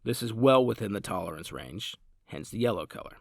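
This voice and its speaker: A man narrating a scripted software demonstration in a measured, explanatory way. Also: fairly low pitch, animated, creaky, no room sound, studio quality. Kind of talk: scripted product tutorial narration.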